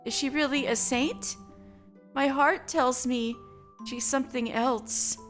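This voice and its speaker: A woman's voice: sits high, steady tone, slow pace, a bit bright, faint music behind. A woman voicing a mother who fears her own young daughter, brooding anxiously and speaking carefully. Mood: fearful. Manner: anxious, brooding inner monologue. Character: frightened, guilt-ridden mother of a strange child.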